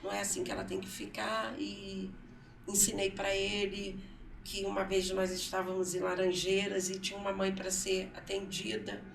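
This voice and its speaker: Woman with a gravelly voice telling a story in an echoey room. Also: medium pitch, a bit bright, recorded from a distance, slight background noise. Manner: storytelling, acts out her son's words, often repeats herself. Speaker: guest, mother. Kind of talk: emotional personal testimony in interview. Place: council studio.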